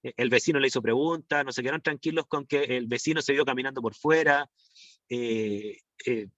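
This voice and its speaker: A man's voice: mid-range voice, fairly quick, a bit bright, dry recording. A man teaching an online class, rambling through restarts and fillers and checking in with his students. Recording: dull, dry lo-fi stream audio.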